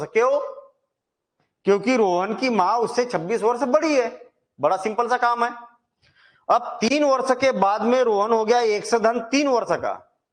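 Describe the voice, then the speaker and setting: High-voiced man teaching maths. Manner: chatty, reassuring, asks and answers own questions. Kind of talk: Hindi maths lesson.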